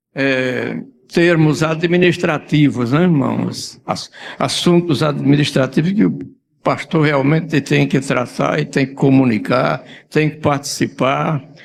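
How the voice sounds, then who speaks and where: Pitch moves up and down in an ordinary way. The delivery is very slow. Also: man, fairly high pitch for a man. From Brazil, Rio Grande do Norte (Mato Grande region). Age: 80s+. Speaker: pastor. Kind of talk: sermon. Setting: church meeting of pastors.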